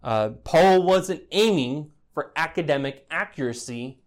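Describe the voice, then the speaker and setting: This man's voice sits on the high side and sounds animated, if a little slow. He's a pastor delivering an expository sermon like a relaxed lesson, often asking the congregation a rhetorical "right?" and teasing them drily.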